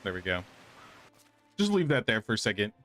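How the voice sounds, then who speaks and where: A man's voice: fairly low pitch, very animated, fairly quick, a bit bright, faint music behind. A man casually commenting on his gameplay during a live stream, thinking aloud and answering chat questions.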